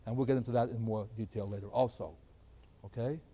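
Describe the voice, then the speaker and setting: A middle-aged man lecturing as a math professor, animated and emphatic, with folksy asides to his students. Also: medium pitch, a little fast, breathy edge. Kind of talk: classroom lecture.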